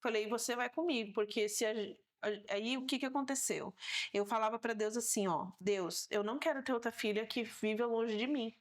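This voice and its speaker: A woman with a Brazilian Portuguese accent tells her faith testimony as a talk-show guest. Her voice sits a little high, and she brings the story to life by acting out what she once said and thought. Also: moderate pace. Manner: animated storytelling, acting out her own past words.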